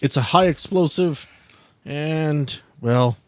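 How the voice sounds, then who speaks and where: A man's voice: on the high side, slow, a little hiss or hum. A man running a tabletop game on a podcast, narrating the action and making rulings in a casual way. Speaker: game master of an actual-play podcast.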